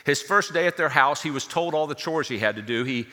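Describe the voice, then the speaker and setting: A male pastor telling a story in a sermon, dramatic and moving from hushed to loud. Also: on the high side, lively intonation, fairly quick, long reverb tail.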